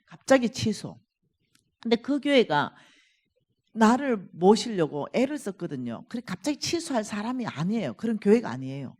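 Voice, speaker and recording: Woman revival preacher, lively swooping delivery, emphatic scripture reading. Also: mid-range voice, moderate pace. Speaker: revival meeting speaker. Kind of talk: sermon. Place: church.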